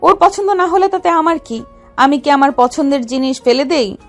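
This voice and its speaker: In an audio drama, an actress voices a young, possessive female mafia don who is domineering and teasing, calling him "baby." Her voice sits high with lively intonation at a moderate pace, and faint music plays behind her.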